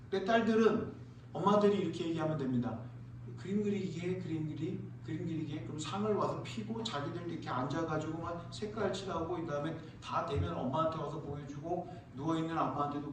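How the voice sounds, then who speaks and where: A man preaching a sermon as pastor, telling lively stories and asking the congregation questions. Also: on the high side, a little hiss or hum. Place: church sanctuary. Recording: echoey church hall, mic far off.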